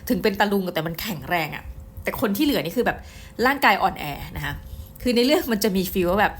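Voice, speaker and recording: A woman's voice: medium pitch, fast talker. Chatty middle-aged woman reviewing books. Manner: chatty, addresses viewers directly, excitable storytelling. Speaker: book reviewer. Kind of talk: casual book review.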